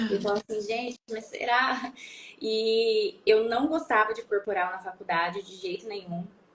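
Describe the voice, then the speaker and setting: This woman has a plain, everyday voice, fairly high in pitch, moving at a moderate pace with ordinary pitch variation. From interior of São Paulo state, Brazil (Fernandópolis). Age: 30s. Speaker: aesthetician. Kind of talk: interview. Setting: Instagram live.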